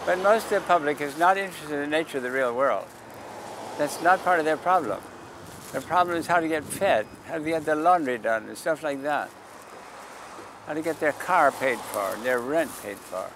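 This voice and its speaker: A man's voice: fairly high pitch, expressive, normal speed, noisy background. An older man talks in a slightly raised voice as he explains things to passersby, with dry humor. He is outdoors in a park beside a parking lot, and faint street sounds sit under his voice. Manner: calls out invitations loudly to passersby, dry humor. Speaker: sidewalk astronomer. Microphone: camera mic at a few feet.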